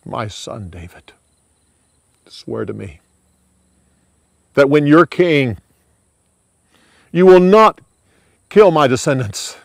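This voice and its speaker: A humbled, remorseful old king, voiced by a male storyteller, implores in slow, swinging tones. The sound is close and dry. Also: mid-range voice, very animated, gravelly, dry recording, full character voice.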